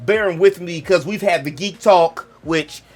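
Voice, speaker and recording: A man's voice: high voice, unhurried, soft background music. A young man with a Black American accent hosting a gaming channel, talking in a loose, joking, digressive way that keeps interrupting itself. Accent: African American English. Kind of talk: rambling casual monologue.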